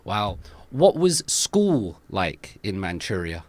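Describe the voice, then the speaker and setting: A man's voice: sits low, very animated, takes it slowly, no room sound. A man hosting a podcast, asking curious and encouraging questions of an older guest. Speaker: podcast host. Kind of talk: interview.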